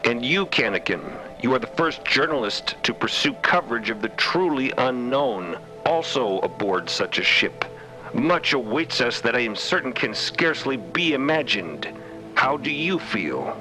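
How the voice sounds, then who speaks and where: A man voicing a serene, dignified matriarch of a scholarly order in an audio drama, speaking formally, with measured reassurance. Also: mid-range voice, sing-song, sharp tone, soft background music, rough recording. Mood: solemn encouragement. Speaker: actor in a fiction podcast.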